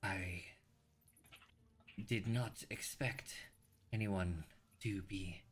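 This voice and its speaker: A man acts out a dying scholar's spirit in a tabletop game. The voice is raspy and halting, with grave regret. Words come slowly, in broken fragments. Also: low voice, steady tone, faint music behind. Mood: regretful, grave. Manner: slow, halting, broken delivery.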